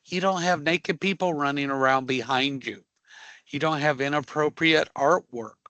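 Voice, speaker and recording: A man teaching a live career prep class, emphatic and joking, often checking in with a quick "okay?". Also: a little high, pushed and bright, no room sound.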